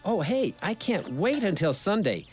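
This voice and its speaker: A man's voice: sits high, big pitch swings, moderate pace, faint music behind. A man playing a cheerful, oblivious school principal in a children's radio drama, breezy and friendly.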